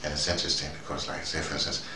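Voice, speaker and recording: Deep gravelly man, echoey noisy recording. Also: little pitch movement. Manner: folksy and colloquial, often pausing mid-thought. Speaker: vlogger. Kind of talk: casual rambling show-and-tell talk to camera. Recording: echoey, distant mic, loud background noise.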